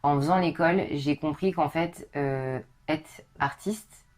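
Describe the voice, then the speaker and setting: A young woman with a low, husky voice, chatting casually as a podcast guest and filling her talk with informal asides. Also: a little slow, darkish tone. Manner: chatty, informal, many fillers.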